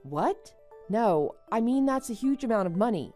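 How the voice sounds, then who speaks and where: A woman's voice: a little high, big pitch swings, moderate pace, warm tone, soft background music. A woman playing a level-headed young married woman, a betrayed friend who answers firmly and with exasperation in a story drama. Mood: shocked. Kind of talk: melodramatic animated-story voice acting.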